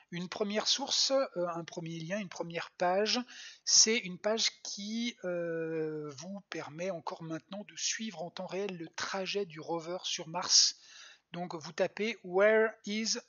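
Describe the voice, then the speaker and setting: Husky-voiced planetarium educator, dull stream. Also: medium pitch, fairly bright tone. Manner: hesitant, many fillers and restarts, answers viewers' questions. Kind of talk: live online science talk for children. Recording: dull lo-fi home stream audio.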